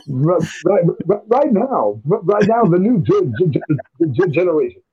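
A man's voice: high-pitched, big pitch swings, unhurried, slightly rough. Man on a glitchy call breaking up. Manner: stammering, repeating syllables as the signal glitches. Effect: choppy, glitchy call audio breaking up. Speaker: podcast co-host. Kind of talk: casual chat about horror movies. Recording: tinny remote call line.

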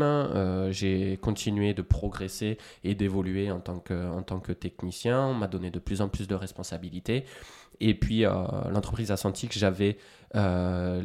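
A man's voice: sits low, darkish tone. Chatty man with a light Toulouse accent. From central France. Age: 30s. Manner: chatty, many hesitations and restarts. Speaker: podcast guest. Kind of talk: casual interview storytelling.

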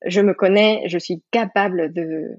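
A woman from Mexico, a yoga teacher, talks thoughtfully in a podcast interview with a Mexican Spanish accent, frequently restarting and using fillers, laughing easily along the way. Her low voice is a little mellow and fairly even at a measured pace, recorded muffled with no room sound.

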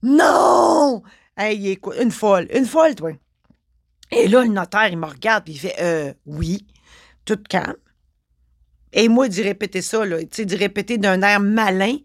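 A woman with a Québécois French accent tells a story in a casual, expressive podcast monologue. She talks with lots of fillers and restarts. The recording is dry and close, with no room echo. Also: medium pitch, normal speed. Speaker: notary and podcast host.

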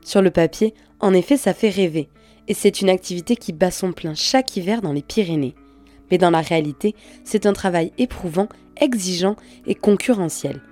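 A woman hosting a podcast, reading a scripted introduction in an even, read-aloud delivery. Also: lowish voice, moderate pace. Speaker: podcast host. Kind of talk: scripted narration. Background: soft background music.

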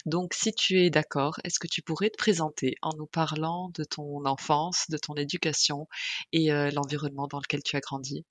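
A man's voice: a little high, flat delivery, normal speed, no echo. A man interviewing a guest in a friendly, encouraging way, with some hesitations. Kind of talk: casual interview.

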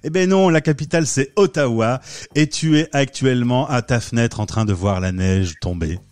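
A male podcast host, who questions his guest playfully and teases her. He has a mid-pitched voice, and the recording is dry and close. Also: normal speed, a little mellow, no echo. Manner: playful, teasing. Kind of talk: podcast interview.

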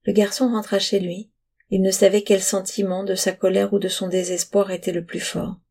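Husky, gravelly woman storyteller. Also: mid-range voice, moderate pace. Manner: calm, even narration. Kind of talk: reading a storybook aloud.

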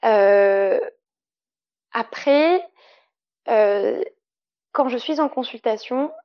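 A woman in a fairly high voice. She explains her points emphatically, in the conversational way of a podcast guest. The sound is close and dry, slightly muffled and lo-fi. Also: very slow, smooth, no echo. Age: 30s. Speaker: interviewed guest, clinical sexologist.

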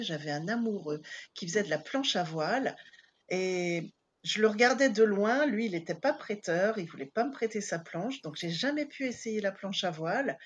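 A woman's voice: on the low side, breathy edge. A woman in her fifties from Paris, chatting casually as an interview guest, with many hesitant fillers. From Paris, France. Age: 50s.

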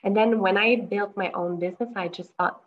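Through muffled, lo-fi audio, a woman interviews someone, asking warm and affirming questions. She founded a language school, comes from Montreal, Canada, and speaks French natively; her mid-range voice is steady and a little fast.

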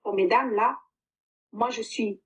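Earnest woman in her fifties, fairly high voice. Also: slow, fairly bright tone. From Portugal. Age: 50s. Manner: earnest, heartfelt, with frequent hesitations. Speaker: coaching client giving a testimonial. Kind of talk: emotional personal testimony.

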